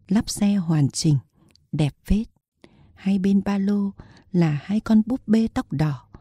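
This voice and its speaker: A woman reads a historical novel aloud in a steady storytelling manner. Her voice is husky with a very dark, mellow tone, recorded close and dry. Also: on the low side, no room sound. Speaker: audiobook narrator. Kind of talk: scripted novel narration.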